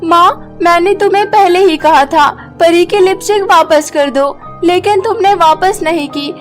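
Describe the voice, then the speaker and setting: Woman voicing a high, pleading young stepdaughter. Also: measured pace, faint music behind. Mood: pleading, reproachful. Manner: pleading, earnest. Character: gentle young stepdaughter, pleading yet reproachful. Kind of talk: Hindi cartoon moral story acting.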